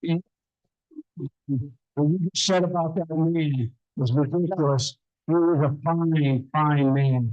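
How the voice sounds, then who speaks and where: A man's fairly high voice at a very slow pace, very even in loudness and fairly even in intonation. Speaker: city council member. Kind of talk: council meeting remarks.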